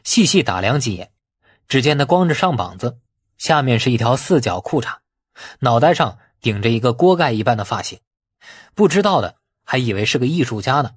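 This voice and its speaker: A man with a husky voice narrating a novel in a dramatic, scripted audiobook style. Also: medium pitch, big pitch swings, fairly quick, no room sound, studio quality.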